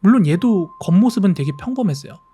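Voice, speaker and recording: Mellow-voiced man telling a ghost story. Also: high-pitched, fast talker, breathy edge. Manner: relaxed conversational first-person retelling. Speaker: horror story narrator. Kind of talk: calm spoken horror storytelling.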